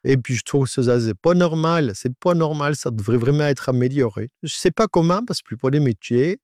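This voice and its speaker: A man in his nineties gives a halting personal testimony in a radio interview. His voice is disguised by an AI voice changer. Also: mid-range voice, lively intonation, darkish tone, no room sound, clean studio sound. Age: 90s. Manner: halting, with many restarts and repetitions. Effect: voice altered by an AI voice changer.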